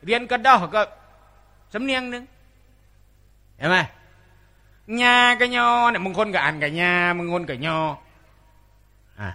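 A man giving an Islamic sermon in a lively, humorous way, mimicking regional dialects as he goes. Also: high voice, a little slow, long pauses. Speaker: Islamic preacher.

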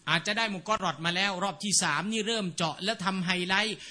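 A male teacher giving a casual, animated lecture to students, often stopping to ask whether they follow him. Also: sits high, quick pace. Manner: animated, keeps asking rhetorical checks; mimics accents while explaining.

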